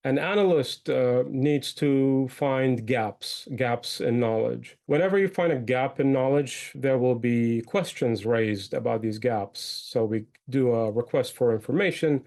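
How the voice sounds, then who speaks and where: A man's voice: medium pitch, unhurried, creaky, hardly any pauses, darkish tone. A man with a mid-range voice answers as an interview guest. He talks conversationally and lays things out step by step. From born in Iraq, moved young to the United States. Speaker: guest, entrepreneur and podcaster.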